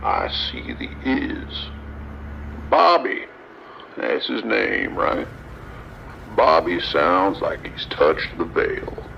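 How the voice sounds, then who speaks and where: A sinister trucker in a radio drama, relishing the morbid. His voice is extremely low and gravelly, drawling slowly and menacingly. It comes through a dull, noisy CB radio. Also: huge pitch swings, heavily acted. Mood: gleeful, taunting. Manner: menacing, taunting, theatrical drawl. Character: sinister, gleeful male trucker with morbid fascination.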